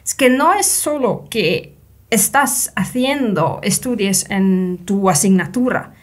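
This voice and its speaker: Brief: woman from Finland, interview guest, mid-pitched, careful and self-correcting. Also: expressive, slow. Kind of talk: conversational interview.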